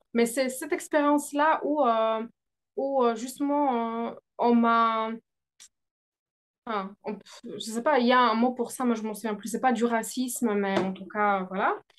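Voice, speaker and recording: With a non-native accent, a woman talks at a fairly slow pace in a fairly high pitch, using ordinary pitch variation and long, frequent pauses. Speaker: entrepreneur and trainer. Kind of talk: interview. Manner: hesitant.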